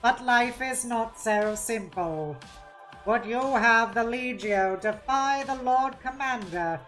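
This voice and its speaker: An unctuous cyborg tech-priest, played by a woman reading a novel aloud, speaks very slowly and with false courtesy. He sounds smooth and patronizing, over music. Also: on the high side, fairly bright tone, poor audio. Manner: unctuous, slow, politely condescending. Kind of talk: dramatic novel read-aloud.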